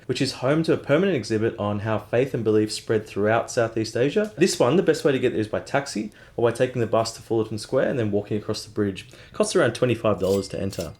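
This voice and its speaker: A man's voice: mid-range voice, darkish tone. Upbeat man narrating travel tips. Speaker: travel vlogger.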